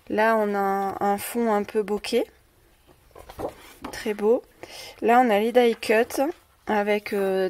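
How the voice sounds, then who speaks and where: French-accented woman, craft haul host, halting with fillers, set back from the mic, faint hiss. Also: medium pitch, a little mellow. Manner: hesitant, many "euh" fillers and repeated words. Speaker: scrapbooking video host. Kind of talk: casual show-and-tell of a craft haul. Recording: distant mic with faint noise.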